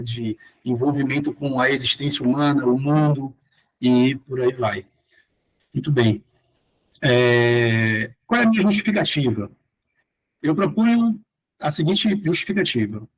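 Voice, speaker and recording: A man's voice: mid-range voice, breathy edge, low-quality recording. A man from Salvador with a Bahian accent, a philosophy teacher presenting his research in a hesitant academic talk full of fillers, with formal passages read aloud. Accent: Bahian Brazilian Portuguese. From Salvador, Bahia, Brazil.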